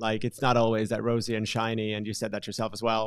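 The speaker is a man with a Finnish accent. It is a very clean recording with a silent background. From Finland. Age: 40s. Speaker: podcast host and entrepreneur. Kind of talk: interview.

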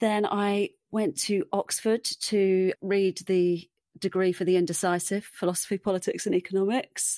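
Speaking in a southern English accent, a woman delivers a dark, mellow, medium-pitched voice in a monotone, flat intonation at very even loudness on a very clean recording with a silent background. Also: moderate pace, dry, close sound with no echo. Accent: southern English (London area). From southwest London suburbs, England. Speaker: investigative journalist and author. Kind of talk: interview conversation.

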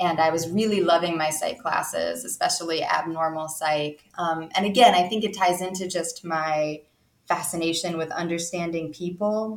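At a moderate pace, a woman with an unremarkable speaking voice talks in a fairly low pitch with fairly even intonation. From US Midwest, Cleveland, Ohio. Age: 30s. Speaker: clinical psychologist and professor. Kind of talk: casual interview.

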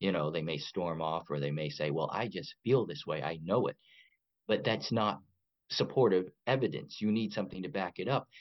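This man's voice sits very deep and low in pitch. He talks at a moderate pace with lively intonation. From California. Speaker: therapist. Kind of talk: interview. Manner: hesitant, many filler words.

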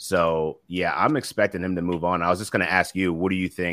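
A man with an American accent speaks at a fairly quick pace with a very deep, low pitch and a bright, sharp tone. The recording is very clean, with a silent background. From Philadelphia, US. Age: 30s. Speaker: fantasy sports and betting analyst. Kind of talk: casual chat.

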